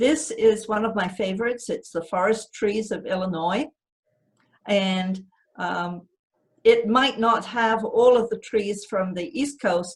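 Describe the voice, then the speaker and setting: A woman with an English accent speaks at a fairly slow pace. Her voice is somewhat breathy, with ordinary pitch variation. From England. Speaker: volunteer naturalist. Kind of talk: online presentation.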